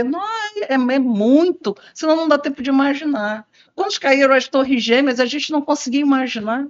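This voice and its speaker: A woman who explains speech delivery and acts out examples with her voice. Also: no echo. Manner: demonstrates intonation, lively shifts between low and high tones. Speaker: speech and voice expert. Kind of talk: explanatory conversation. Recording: dry, dull lo-fi sound.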